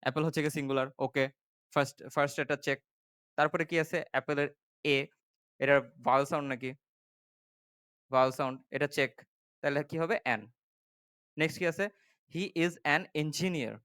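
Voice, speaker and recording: A man's voice: a little high, fairly bright tone, smooth, dry recording, studio quality. A man tutoring English grammar step by step, often checking that listeners follow. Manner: explains step by step, often asking "ঠিক আছে?" to check understanding. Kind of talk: classroom-style grammar lesson.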